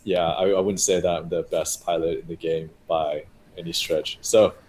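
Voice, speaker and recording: A man's voice: deep voice, fairly even intonation, moderate pace, darkish tone, slight background noise. A man, a game developer, talking in a loose, rambling way on a live stream, full of fillers and restarts. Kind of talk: casual live-stream chat.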